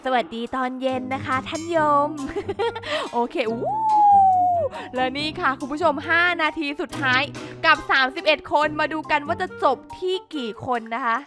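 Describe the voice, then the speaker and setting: A woman's voice: high-pitched, very animated, normal speed. A woman giving playful game commentary, theatrically scolding characters and talking to her viewers. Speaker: gaming YouTuber. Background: background music.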